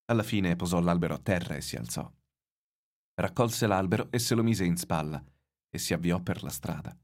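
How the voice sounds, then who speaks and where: Deep, expressive male book narrator. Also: normal speed. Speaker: narrator reading a novel aloud. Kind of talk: literary read-aloud narration.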